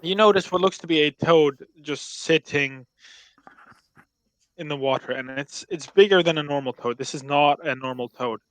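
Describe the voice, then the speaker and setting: A man's voice: on the high side, normal speed, dry recording, poor audio. A man running a tabletop game as game master, narrating casually and talking with the players.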